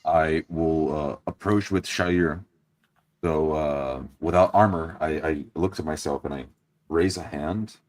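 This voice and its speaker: A man playing a tabletop game, improvising first-person descriptions of his character's actions in a halting, deliberate way. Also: a bass voice, darkish tone.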